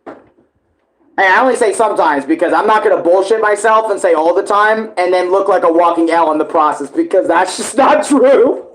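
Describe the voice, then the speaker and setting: Guy doing a live reaction stream, super slangy and animated, swears a ton, casual chat. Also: high voice, moderate pace, low-quality recording.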